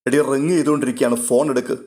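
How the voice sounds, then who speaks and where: A man's voice: mid-range voice, fairly even intonation, racing, a little mellow, close to an everyday voice. A man reading a story aloud and voicing a friendly young man who teases and nudges a younger girl. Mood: teasing. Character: friendly young man, teasing older cousin.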